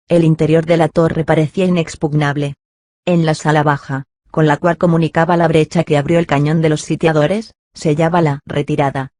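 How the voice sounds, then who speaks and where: A man narrating a classic novel as an audiobook, in a steady, measured storytelling manner. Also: on the high side, no echo, clean studio sound. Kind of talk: scripted literary narration.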